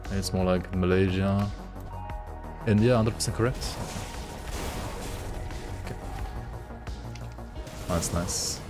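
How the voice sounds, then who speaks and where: A man's voice: low-pitched, fairly even intonation, slow, pauses often, music in the background. A man streaming a game, chatting casually and rambling with his viewers as he thinks aloud. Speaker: gaming livestreamer. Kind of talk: casual chat with viewers while gaming.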